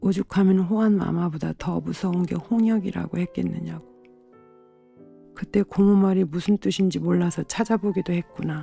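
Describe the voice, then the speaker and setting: Music sounds in the background. Over it, a woman talks at a moderate speed. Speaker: book reader. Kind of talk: literary reading of a novel.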